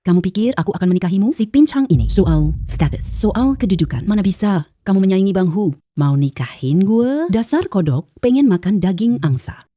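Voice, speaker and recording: A woman voices a contemptuous young gold-digger with a dark, warm tone and a lively, swooping delivery. Her sneers come across in a dry, slightly muffled dub recording. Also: mid-range voice, brisk, few pauses, no room sound, lightly acted. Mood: sneering. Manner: mocking, contemptuous. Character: scornful young woman, a gold-digging betrayer. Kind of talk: dubbed drama acting.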